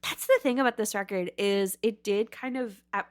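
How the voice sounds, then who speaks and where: A woman's voice: medium pitch, normal speed, soft background music. A woman hosting a podcast in casual, slangy chat, dropping "like" often. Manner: informal, slangy, peppered with "like". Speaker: podcast host.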